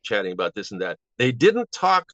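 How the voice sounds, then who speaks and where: Man in his seventies, casual reminiscing, halting and rambling, dull lo-fi audio, very dry. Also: lowish voice, wildly swooping pitch, fairly bright tone, no room sound. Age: 70s. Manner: halting, rambling with false starts. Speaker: interview guest. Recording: dull, band-limited audio.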